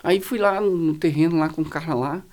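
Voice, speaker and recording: Slangy, animated Brazilian man telling stories. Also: on the high side, a little fast. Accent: Brazilian Portuguese. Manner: slangy, animated storytelling with many fillers. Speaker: guest, pastor running a social project. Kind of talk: casual storytelling in a podcast conversation.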